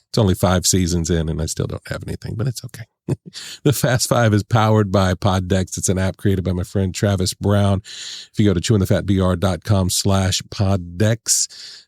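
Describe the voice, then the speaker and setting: A man hosting a podcast, playful and chatty, laughing often as he runs a quick question round. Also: on the low side, vocal fry, darkish tone, no echo, clean studio sound. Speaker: podcast host. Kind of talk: casual interview chat. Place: podcast studio.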